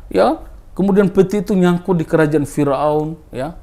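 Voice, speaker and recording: A man in his thirties from East Timor, telling his personal story in a casual interview, his voice rising high when he stresses a point. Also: normal speed. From Timor Leste. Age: 30s. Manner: animated storyteller, voice rising with emphasis.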